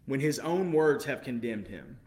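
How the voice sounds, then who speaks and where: A man preaching a sermon with passion, moving between quiet, measured passages and loud, incredulous outbursts. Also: medium pitch, lively intonation. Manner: impassioned, swings from quiet to loud exclamation.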